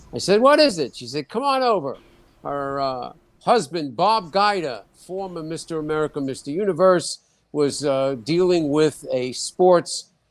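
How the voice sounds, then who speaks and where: Lively intonation in a New York accent, with big swings in loudness, a moderate pace and a very clean recording with a silent background. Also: man. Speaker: sports podiatrist and radio host. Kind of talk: casual chat. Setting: live video broadcast.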